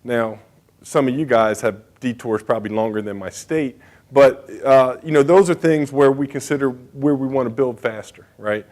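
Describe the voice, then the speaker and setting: A man's voice: medium pitch, moderate pace, darkish tone. Casual man giving a talk. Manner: casual, conversational, many fillers and asides. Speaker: state bridge engineer presenting. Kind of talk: conference presentation.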